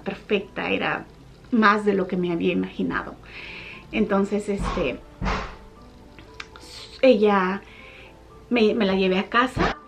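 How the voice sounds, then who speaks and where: A young woman vlogger casually telling a personal story to her viewers, animated when she retells what people said. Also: mid-range voice, vocal fry, dull audio, slight background noise.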